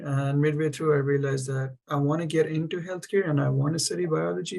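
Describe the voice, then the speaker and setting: Gravelly, hesitant young man on a panel. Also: on the high side. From India, raised in Saudi Arabia. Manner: hesitant, with many fillers. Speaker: nursing student panelist. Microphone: video call.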